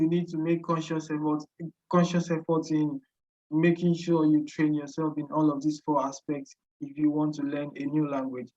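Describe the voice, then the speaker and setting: A Nigerian-accented man speaks in a formal, measured way, circling back to the same phrases as he gives advice. His voice sits at a middle pitch, and the recording sounds a bit dull. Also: warm tone. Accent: Nigerian English. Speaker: guest, graduate student and teacher. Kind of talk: interview answers, giving advice.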